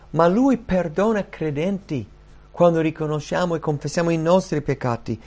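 A male preacher delivering a sermon in an earnest, pleading way. His voice sits a little high for a man, and it lifts and slows whenever he quotes scripture. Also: a little mellow. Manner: earnest, rises and slows when quoting scripture.

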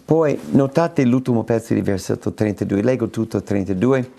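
A man preaching an expository sermon, lifting his voice high when he quotes scripture and prayers. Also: moderate pace, vocal fry, dark tone. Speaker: pastor.

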